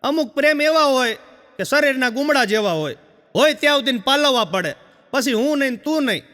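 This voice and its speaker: A man doing lively stand-up jokes and teasing the audience. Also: extremely high pitch, fairly quick, big-room sound. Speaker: stand-up comedian.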